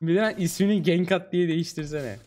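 A man's voice: high-pitched, fast, darkish tone, slight background noise. A young man hosting a gaming stream with casual, slangy, complaining commentary and banter. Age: young adult. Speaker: streamer and video host. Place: small indoor streaming room. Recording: music behind the voice. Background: music.

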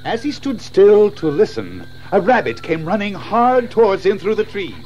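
A man's voice: high-pitched, big pitch swings, normal speed, a little mellow, low-quality recording. A man narrating a children's story in a theatrical, suspenseful manner. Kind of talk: dramatic scripted storytelling.

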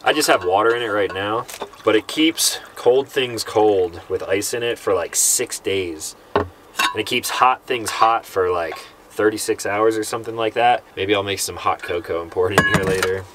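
Low-voiced man vlogging casually. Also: normal speed, noisy background. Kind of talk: casual chat to camera. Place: inside a small truck camper.

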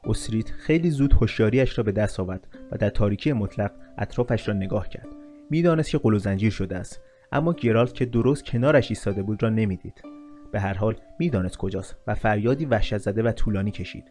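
A man narrating a fantasy story in a steady, measured reading. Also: fairly low pitch, faint music behind. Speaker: audiobook narrator.

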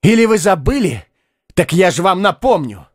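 A man voicing an aging, heavyset male doctor in an audiobook, moving from a soft tender half-whisper to bitter shouting. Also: on the low side, animated, takes it slowly, breathy edge, dry recording, clean studio sound, full character voice. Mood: furious shouting. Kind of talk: audiobook character voice.

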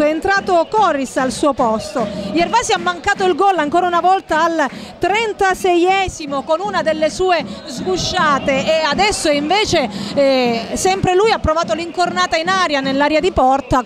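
A woman giving live football commentary in wordy, formal phrasing with frequent hesitations. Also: extremely high pitch.

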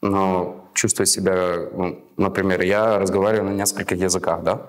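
A man in his thirties whose first language is Ukrainian, interviewing in a small office and probing with paused, filler-laden questions. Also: low voice, level tone.

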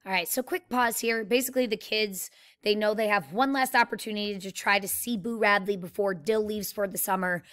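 Woman teacher reading a novel out loud, steady plain delivery, stops to explain, mid pitch. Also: fairly quick. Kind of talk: reading a novel aloud with commentary.

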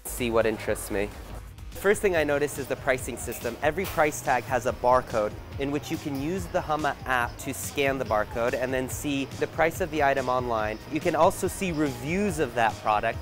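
A man's voice: mid-range voice, animated, normal speed. A man in his thirties reporting on location, chatting curiously as he walks through a large supermarket with a handheld camera. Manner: chatty, curious walk-through while shopping. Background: background music.

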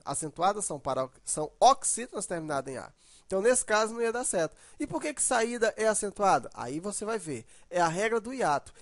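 A man's voice: sits high, no echo. Man teaching grammar on a close, dry mic, patient and step-by-step. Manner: explanatory, repeats checks like "ok" and "ó". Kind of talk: recorded grammar lesson.

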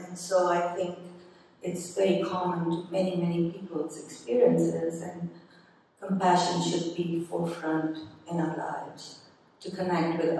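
Woman, native Urdu speaker, earnest, reflective, steady flat delivery, far from mic, long gallery echo. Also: lowish voice, a little hiss or hum. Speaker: exhibiting artist. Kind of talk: gallery panel talk. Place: large museum gallery, indoors. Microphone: handheld mic. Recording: echoey gallery, distant mic.

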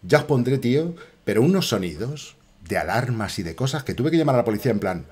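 A Spanish-accented streamer from Spain narrates his horror gameplay live, swearing a lot and reacting excitedly to enemies and chat. He talks fast, medium-pitched, with a breathy edge.

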